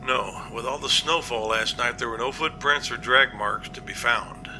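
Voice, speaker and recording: Man acting an earnest captain, audio drama, heavy vocal fry, matter-of-fact, noisy rumbling background. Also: normal speed, natural voice. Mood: puzzled. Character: male captain, earnest, practical, cautious, plain-spoken. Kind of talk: amateur audio drama dialogue.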